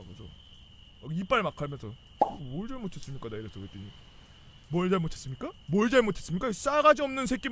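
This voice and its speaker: A young man casually telling a rowdy army story, swearing a lot and shouting out the officers' lines. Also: high-pitched. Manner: animated, swearing, acts out yelling officers.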